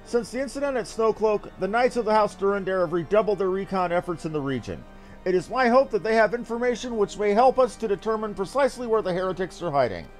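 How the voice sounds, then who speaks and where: A man voicing an earnest, self-assured young noble scholar from a fantasy game, reading dialogue in a formal, measured way. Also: high-pitched, animated, soft background music. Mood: formal, determined.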